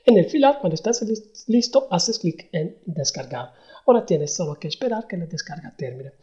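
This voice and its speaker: A man giving a hesitant step-by-step software tutorial, with many pauses and fillers. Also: high voice, lively intonation. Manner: hesitant, many ums and ers. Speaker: tutorial host. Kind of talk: screen-recorded software tutorial. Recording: dull lo-fi voice-over.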